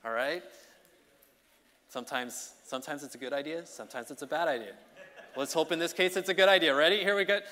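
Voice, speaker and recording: In a church sanctuary, a man acting as song leader preaches an informal midweek sermon in a slightly high voice, talking briskly with long pauses. His delivery is conversational and energetic, and he keeps checking in with the congregation using "okay?" and "you know." The church hall gives a long reverb.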